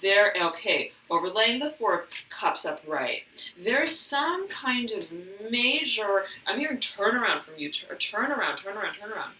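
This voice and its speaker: A slightly hoarse woman reads tarot cards in a bright, forward voice, often clearing her throat. Her talk wanders through fillers and restarts. She sounds a little off-mic in an echoey room. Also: mid-range voice, very animated, moderate pace, far from the mic. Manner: meandering, many fillers and restarts; keeps repeating "I'm hearing". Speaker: tarot reader. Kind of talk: spiritual reading to camera.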